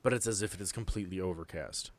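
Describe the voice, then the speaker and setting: A man with a low-pitched voice runs a tabletop game. He narrates scenes off the cuff in a casual, descriptive way and talks directly to his players. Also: racing, slight background noise. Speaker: game master.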